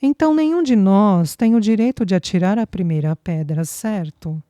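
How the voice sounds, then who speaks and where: A woman reading a young sister's lines in a calm, reasoning manner. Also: mid-range voice, normal speed, dry recording, natural voice. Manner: reasoning, conciliatory.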